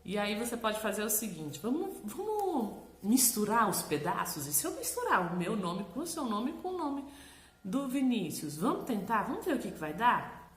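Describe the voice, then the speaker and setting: A woman's voice: mid-range voice, moderate pace, roomy sound. A woman with a Brazilian Portuguese accent, a literacy teacher giving encouraging, instructional advice to parents. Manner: animated, encouraging, checks in with "tá bom?".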